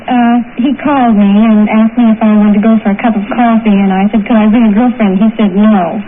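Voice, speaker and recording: A woman's voice: mid-range voice, steady tone, a little fast. A woman from Los Angeles, a quiz contestant giving brief, shy answers. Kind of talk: answering host's questions. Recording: tinny lo-fi old broadcast with hiss.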